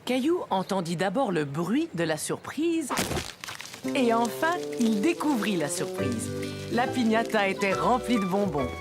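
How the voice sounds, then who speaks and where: A woman's voice: medium pitch, very animated, measured pace. A woman playing the storyteller of a children's cartoon, reading scripted narration. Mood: storytelling. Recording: music behind the voice.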